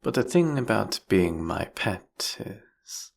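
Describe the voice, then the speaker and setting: A man's voice: sing-song, slow pace, exaggerated voice. A man playing a seductive, possessive vampire king in an intimate audio roleplay, with a taunting, menacing, whispery delivery. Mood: gloating tenderness. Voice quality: husky, breathy, gravelly low voice.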